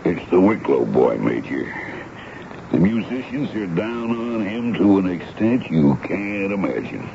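An actor playing a gruff, folksy army sergeant in a 1970s radio drama, speaking ungrammatically and respectfully to his superior. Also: low voice, big pitch swings, measured pace, full character voice. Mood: exasperated. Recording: dull, noisy old radio broadcast recording.

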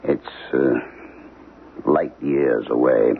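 Haunted middle-aged professor, very low gravelly voice, halting and portentous, old radio drama, thin narrow-band sound. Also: male voice, steady tone, slight background noise, heavily acted. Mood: brooding, haunted. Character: troubled middle-aged professor husband, haunted by an otherworldly dread. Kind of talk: 1970s radio drama acting.

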